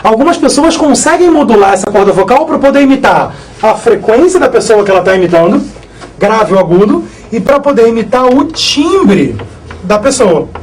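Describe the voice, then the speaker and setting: A man teaching a live exam-prep physics lesson, energetic, joking and repeating himself. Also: high voice, normal speed, low-quality recording.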